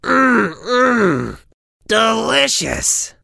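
An actor voicing a big, bossy, greedy male wolf in a children's cartoon story, gruff and threatening. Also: mid-range voice, big pitch swings, very slow, bright, forceful tone, no room sound, clean studio sound, full character voice. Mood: greedy delight. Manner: gruff, threatening, gobbling and boasting.

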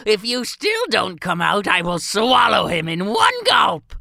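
A woman voicing a huge, menacing male wolf who shouts blustering threats in a children's audio story. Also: mid-range voice, huge pitch swings, unhurried, gravelly, no room sound, studio quality, heavily acted. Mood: threatening.

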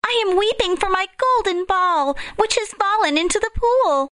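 A woman voicing a spoiled young princess in a storybook reading, her voice pushed high and girlish. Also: normal speed. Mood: pleading. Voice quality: very high and bright.

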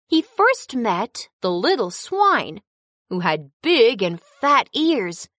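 Expressive woman narrating a kids' story. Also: fairly high pitch, no echo, clean studio sound.

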